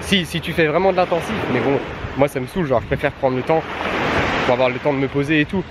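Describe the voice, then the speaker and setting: A man's voice: on the high side, quick pace, very noisy. A young man chatting casually and informally to a travel vlog audience in offhand, slangy speech. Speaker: travel vlogger.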